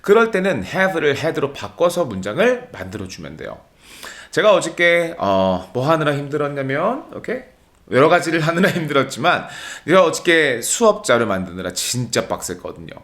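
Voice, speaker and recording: A middle-aged man teaching spoken English. His pitch moves a lot as he explains, and he often slows down to repeat English phrases as models for learners. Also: big pitch swings, fairly bright tone.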